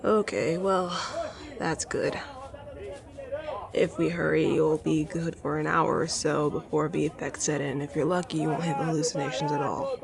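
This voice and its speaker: A woman's voice: sits low, steady tone, normal speed, gravelly. A woman voicing a blunt, laid-back young embassy guard with a casual, slangy way of talking in an audio drama. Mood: matter-of-fact.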